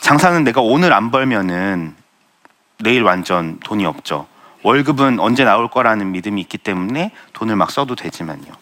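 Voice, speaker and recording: This young man's voice is low with a sharp tone. He shares his Christian testimony earnestly and with self-deprecating humor and light laughter, then answers questions from the audience.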